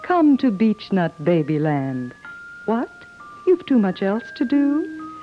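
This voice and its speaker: Female ad announcer, very slow and lilting, over prominent chiming music, dull old radio sound. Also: medium pitch, wildly swooping pitch. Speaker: advertising announcer. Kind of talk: rhymed 1950s radio commercial. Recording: dull 1950s radio recording. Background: jingle music with chimes.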